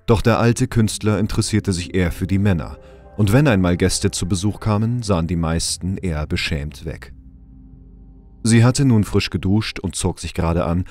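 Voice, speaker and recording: A male narrator tells a story in a radio play. His voice is low, and he reads scripted prose over faint background music. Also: a little mellow. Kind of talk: scripted audio drama narration.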